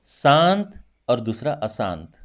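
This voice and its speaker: A male math teacher with a Hindi accent explains a lesson in an animated way. His voice sits at a middle pitch, but he swings up high to stress a point and drops low when he lists things. He keeps checking in and repeats himself so his students follow. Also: takes it slowly. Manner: lively, repetitive teaching with frequent check-ins.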